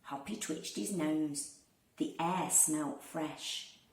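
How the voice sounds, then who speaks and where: A woman reading a children's storybook aloud like a primary school teacher, expressive and deliberate for young listeners. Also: sits low. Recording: roomy, distant microphone.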